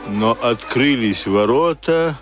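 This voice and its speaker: A man's voice: mid-range voice, lively intonation, takes it slowly. A man narrating a radio drama in a scripted, literary storytelling style. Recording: radio play, loud music under voice.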